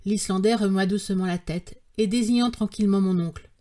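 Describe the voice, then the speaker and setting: A woman reading an adventure novel aloud as an audiobook narrator, in a clear, measured storytelling manner. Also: medium pitch, warm tone. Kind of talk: scripted narration.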